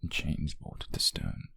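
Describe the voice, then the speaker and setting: A British man playing a wealthy, possessive nobleman who is coolly controlling yet tender, in an intimate ASMR roleplay, with slow, condescending endearments in a husky near-whisper. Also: pushed and bright, no room sound, studio quality. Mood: amused, possessive.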